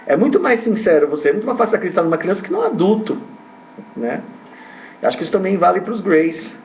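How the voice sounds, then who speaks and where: A man's voice: sits high, big pitch swings, quick pace, vocal fry, slight background noise. A man with a slightly raised voice gives a rambling commentary as a ufologist host. He hesitates, repeats himself and keeps tossing in tag questions. The recording sounds dull and lo-fi.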